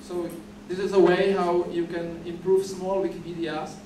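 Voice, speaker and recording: Warm in tone and high-pitched, a young man speaks at a moderate pace and level tone during a conference presentation at a podium. A native Czech speaker from the Czech Republic, he often repeats words and begins again as he explains. Captured from a distant camera via the podium mic, the dim lecture hall audio is echoey and noisy.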